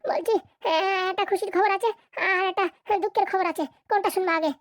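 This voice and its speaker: A woman's voice: very high voice, fairly even intonation, fast, no echo, clean studio sound. A woman voicing an eager, deferential young village son in a comedy cartoon, with stammering starts. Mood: hesitant, eager.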